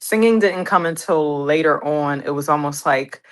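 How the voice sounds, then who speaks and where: A woman musician speaking as an interview guest, her voice on the low side. She talks candidly and tells stories with a relaxed laugh. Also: moderate pace. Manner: candid and storytelling, with light laughs. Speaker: singer and pianist guest. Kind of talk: casual interview chat.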